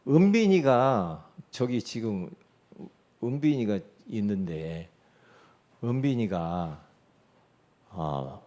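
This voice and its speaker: A middle-aged man preaching a sermon as pastor, emphatic, asking rhetorical questions and swinging between loud declarations and soft asides. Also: lowish voice, sing-song, slow, long pauses.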